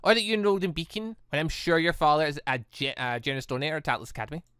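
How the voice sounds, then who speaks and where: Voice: medium pitch, racing, fairly bright tone, smooth, no echo, studio quality, close to an everyday voice. A let's player voicing an easygoing, devoted teenage sweetheart in a visual novel game. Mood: gently teasing.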